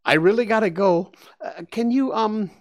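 A man's voice: high-pitched, moderate pace, no room sound, studio quality, pitched above the performer's own voice, lightly acted. A man voicing a nervous, polite young boy in a story, who stammers when frightened. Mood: earnest.

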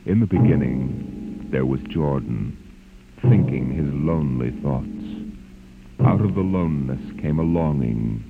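Deep-voiced male announcer, slow and dramatic, tinny old radio sound with loud music. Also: lively intonation. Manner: slow, booming, portentous. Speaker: announcer and narrator. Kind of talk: dramatic 1950s radio narration.

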